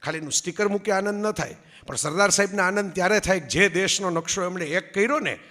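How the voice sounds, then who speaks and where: His voice sits high, quick and sharp-toned, with a long reverb tail. Before an audience in an event hall, this public speaker tells anecdotes as stories, voices the people he quotes, and checks in by asking "barabar?"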